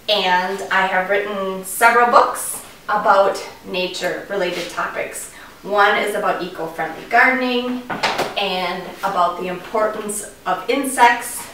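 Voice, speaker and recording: A middle-aged woman speaks in a very echoey room, some way from the microphone. She introduces a children's lesson at a slow, measured pace. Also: medium pitch, sharp tone. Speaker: author and presenter of a children's puppet show. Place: living room at home, indoors. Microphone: far camera. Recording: echoey room, distant camera, faint noise.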